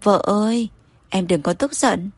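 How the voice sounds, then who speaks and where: A woman reading the lines of a young husband who coaxes and pleads softly with his wife, in a husky voice. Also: medium pitch, measured pace, no room sound. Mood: pleading. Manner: soft wheedling pleading.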